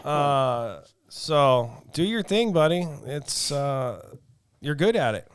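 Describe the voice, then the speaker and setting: A man's voice: fairly high pitch, expressive, takes it slowly. A man co-hosting a DJ podcast in casual chat, friendly and teasing, rambling a little and calling people buddy and dude. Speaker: DJ and podcast co-host.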